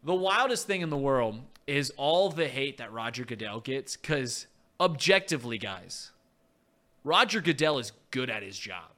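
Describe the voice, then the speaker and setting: A man with a self-described high-pitched voice co-hosting a casual sports talk show, ranting animatedly with mocking asides. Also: big pitch swings, a little slow, bright, forceful tone. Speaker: podcast co-host.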